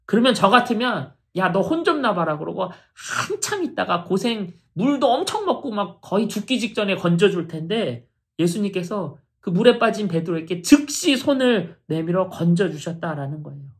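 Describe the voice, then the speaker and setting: A woman's voice: medium pitch, animated, moderate pace. A middle-aged woman pastor preaching a sermon in an earnest, emphatic way, often addressing the congregation directly.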